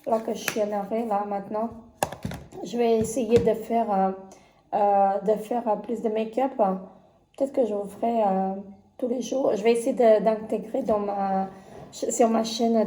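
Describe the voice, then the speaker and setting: Slow, hesitant woman reviewing makeup. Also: mid-range voice, warm tone, roomy sound, a little hiss or hum. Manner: halting, many fillers and restarts. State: has conjunctivitis. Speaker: beauty vlogger. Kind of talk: casual makeup palette review.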